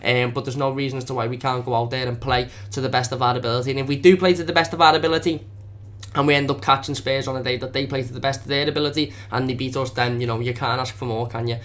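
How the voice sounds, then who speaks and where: Young Scouse male fan vlogger, quick and earnest with a narrow pitch range, repeats himself for emphasis. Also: fairly even intonation, fairly bright tone. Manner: repetitive, earnest, doubles his words. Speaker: fan channel host. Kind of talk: football preview vlog.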